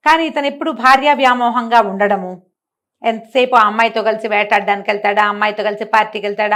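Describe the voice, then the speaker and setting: An older woman telling a traditional story in a chatty, animated way, adding her own comments. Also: medium pitch. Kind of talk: oral storytelling with asides.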